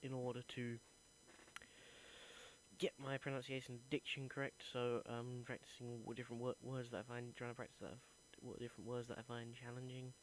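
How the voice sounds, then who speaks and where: A man's voice: mid-range voice, flat delivery, a little fast, slight background noise, rough recording. A young man, an acting student, earnestly recording a reflective voice diary and thinking aloud as he goes.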